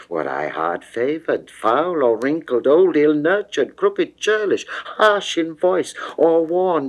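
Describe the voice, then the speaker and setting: Guy doing a lovesick goddess, coaxing and bossy, old 60s poetry record style, really slow n lowish, drawn out theatrical verse. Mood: indignant, pleading. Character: seductive, lovesick goddess Venus, ardent, coaxing, imperious female. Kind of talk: classical dramatic verse reading, 1960s.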